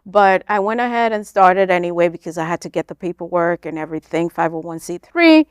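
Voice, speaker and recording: A Kenyan nonprofit founder, interviewed as a guest, talks briskly in a fairly low, expressive voice. The studio-quality recording is clean with no room sound, and she explains things conversationally, often saying "like" and "you know".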